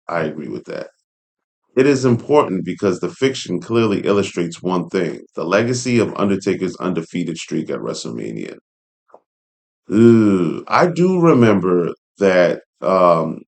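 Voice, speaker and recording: A man hosting a casual read-along commentary, speaking in an informal, opinionated way with conversational asides. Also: low-pitched. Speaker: host and commentator. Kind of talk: casual commentary while reading an article aloud.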